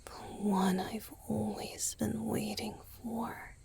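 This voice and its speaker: A woman voicing a tender romantic young male vampire boyfriend in a gentle, breathy whisper for an ASMR roleplay. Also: medium pitch, little pitch movement. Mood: tender, devoted. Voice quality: breathy, airy. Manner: slow, gentle, intimate.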